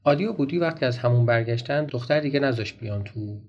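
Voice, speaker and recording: Man telling a folk tale, muffled recording. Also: medium pitch. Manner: gentle storytelling, asking listeners questions. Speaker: podcast storyteller. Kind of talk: reading a folk tale aloud. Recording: dull, slightly noisy recording.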